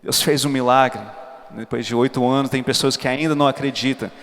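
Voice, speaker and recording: A man's voice: mid-range voice, steady tone, fairly quick, fairly bright tone. A man preaching a personal testimony to a church congregation, speaking earnestly and with emphasis. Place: large church hall. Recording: reverberant church hall.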